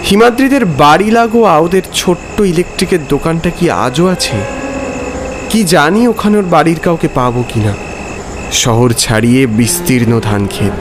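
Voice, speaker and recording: A man's voice: on the high side, background noise, close to an everyday voice. A man playing a troubled married man, narrating his haunted memories in a dramatic, brooding way. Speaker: narrator and main character. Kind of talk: dramatic first-person horror story narration. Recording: music behind the voice.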